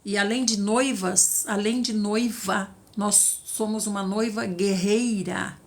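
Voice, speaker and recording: A woman giving devotional teaching as a preacher, animated and acting out the voices she quotes. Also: medium pitch, slow.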